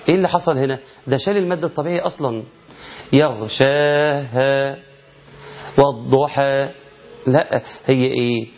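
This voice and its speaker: Man, Egyptian accent, recitation lesson, rhetorical questions, chanted verse examples, muffled lo-fi sound. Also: on the high side. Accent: Egyptian Arabic. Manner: asks rhetorical questions and answers them, demonstrates by chanting drawn-out verses. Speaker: Quran recitation teacher. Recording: lo-fi muffled recording.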